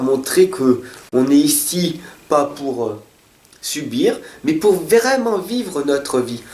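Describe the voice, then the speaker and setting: A man in the role of card reader gives a weekly tarot guidance talk, speaking earnestly and encouragingly straight to the listener. His voice is medium-pitched and a little mellow. The room is echoey, with faint music behind him.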